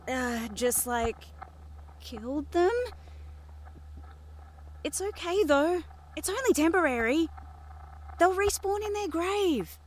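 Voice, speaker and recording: A woman's voice: extremely high pitch, lively intonation, slow, pauses often, heavily acted. A woman playing a harried young witch in an audio drama, urgent and commanding. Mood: sheepish. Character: harried young witch casting spells under pressure.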